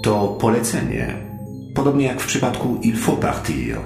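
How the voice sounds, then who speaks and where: Low male voice, gravelly, urgent steady guide, clipped instructions, radio drama, echoey. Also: moderate pace, exaggerated voice. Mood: explaining, focused. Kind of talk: language-learning radio drama acting. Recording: echoey, music behind the voice.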